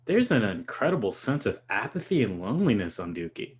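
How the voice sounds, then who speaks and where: A man's voice: on the low side, big pitch swings, brisk. A man playing an opinionated, thoughtful music lover, speaking in a considered, intellectual way in a play reading. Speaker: actor in a staged reading. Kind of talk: conversational dramatic play reading.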